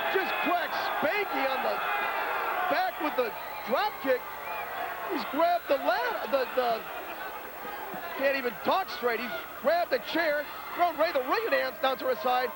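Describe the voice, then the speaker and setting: A man giving excitable play-by-play commentary on a wrestling match, often shouting over the action, heard from a worn VHS tape copy. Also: very high voice, slow, pauses often, very noisy. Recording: worn VHS tape, loud arena crowd. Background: loud cheering wrestling crowd.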